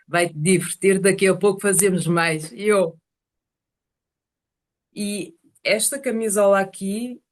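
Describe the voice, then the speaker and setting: A woman with a mid-range voice shares personal stories with a group over a video call. Her talk is casual and animated, and she often halts as she searches for the right words. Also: mid-range voice. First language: Portuguese is one of several languages spoken.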